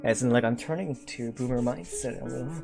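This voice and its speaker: A man's voice: mid-range voice, a little fast, creaky, music in the background. A man in his twenties on a casual livestream, chatting with viewers and reading their comments. He rambles, with many fillers and self-corrections. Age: 20s. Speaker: streamer.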